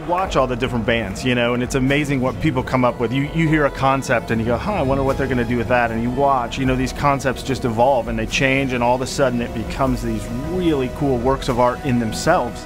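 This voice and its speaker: A man at a very fast pace with hardly any pauses and fairly even intonation, over clear music in the background. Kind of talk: interview answer. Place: stadium.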